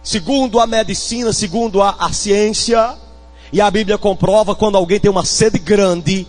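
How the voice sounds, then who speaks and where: A male bishop with a Northeastern Brazilian accent preaching a fiery sermon, swinging between shouts and hushed tones and calling on the congregation. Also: high-pitched, fairly even intonation, moderate pace, faint music behind.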